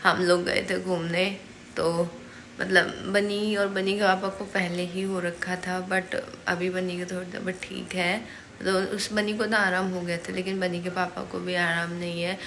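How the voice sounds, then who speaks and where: Young woman vlogger with a cold, bright but gravelly voice, faint room ambience. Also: fairly low pitch, level tone, measured pace, a little hiss or hum. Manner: chatty, rambling, many fillers. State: sore throat with a cold. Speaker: family vlogger. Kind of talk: casual home vlog chat.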